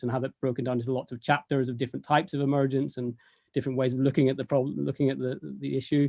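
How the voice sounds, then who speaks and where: A man's medium-pitched, monotone voice with a British accent at a very fast pace, dry and close with no echo. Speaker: electronic musician. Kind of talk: interview.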